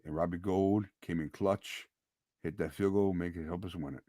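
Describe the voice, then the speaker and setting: A deep-voiced man talking sports in a casual podcast, eager and a little scattered, restarting his sentences as he goes. His voice sounds slightly worn from yelling, and the recording is close and dry. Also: moderate pace, dry recording. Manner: excitable, trips over his words. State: voice nearly lost from yelling. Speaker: podcast co-host.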